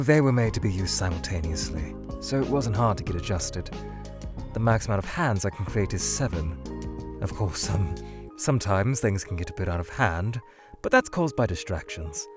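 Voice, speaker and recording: A formal, anxious skeleton scientist, voiced by a man in a fan audio drama. He speaks in measured, proper sentences with a pitch that swings widely. Music plays behind him. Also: animated. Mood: composed. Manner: measured, formal speech that turns frantic and pleading.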